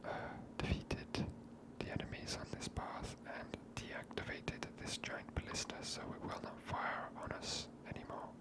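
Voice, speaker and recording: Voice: a little slow, few pauses, poor audio. Whispering ASMR game player. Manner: hushed whispering. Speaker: game streamer.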